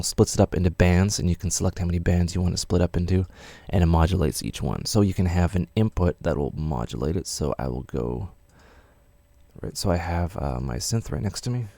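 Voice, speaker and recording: Deep gravelly man explaining audio effects. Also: normal speed, no echo. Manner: relaxed, rambling, many fillers. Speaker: music production instructor. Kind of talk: casual tutorial walkthrough.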